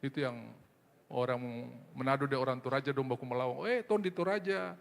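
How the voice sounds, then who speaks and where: A man's voice: medium pitch, a little fast, creaky. A man preaching a sermon as pastor, telling funny stories and acting out the voices in them. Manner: humorous storytelling, mimics voices in anecdotes. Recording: reverberant church hall.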